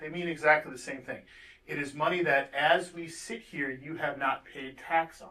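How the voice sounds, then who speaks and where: This man's voice sits fairly high for a man, and his intonation stays fairly even. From US Midwest. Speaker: estate planning attorney. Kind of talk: educational presentation. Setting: podium before live audience. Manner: fast.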